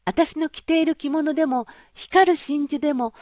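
Woman putting on a bratty little princess voice, way up high, storybook reading. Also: moderate pace, a little mellow, no echo, studio quality, lightly acted. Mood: eager. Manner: high girlish pleading, haughty. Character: pampered young princess, tearful and petulant. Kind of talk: audiobook character voice.

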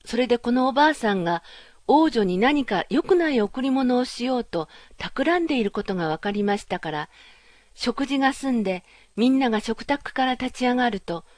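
Lady reading a fairy tale aloud, high gentle voice, dry close sound. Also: animated, normal speed, no echo. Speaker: narrator. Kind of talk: storybook narration.

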